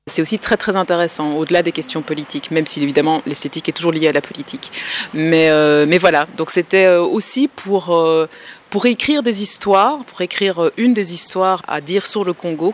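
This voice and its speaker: A woman, answering interview questions in a thoughtful, measured way as she searches for her words. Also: low-pitched, a little hiss or hum. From Belgium. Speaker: guest researcher.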